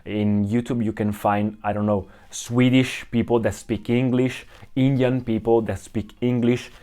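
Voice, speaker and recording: A man's voice: medium pitch, level tone, measured pace, dark tone. A young man from Italy with an Italian accent, talking casually to camera in English, often restarting and searching for words. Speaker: vlogger.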